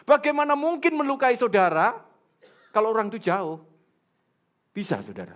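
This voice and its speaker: Speaking at normal speed, a male pastor delivers a lively sermon to the room. His fairly high voice is very animated and rises and falls, and he questions the congregation and slips in jokes as he goes.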